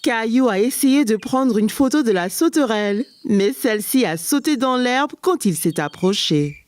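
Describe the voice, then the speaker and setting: Calm woman narrating a kids cartoon. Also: on the high side, moderate pace. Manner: calm, even storytelling. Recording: narration over soft music.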